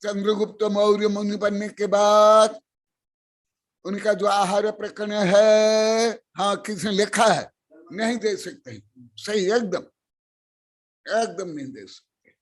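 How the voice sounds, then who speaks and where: A man, a monk, giving a sermon to lay listeners, questioning and scolding them with loud bursts of emphasis. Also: high-pitched, fairly even intonation, slow, long pauses. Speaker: Jain monk teaching scripture.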